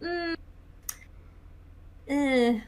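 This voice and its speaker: A woman's voice: sits high, drawn-out words, a little mellow. A woman co-hosting a podcast in casual chat, talking loosely with plenty of fillers and restarts. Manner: chatty, heavy on fillers and restarts. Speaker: podcast co-host.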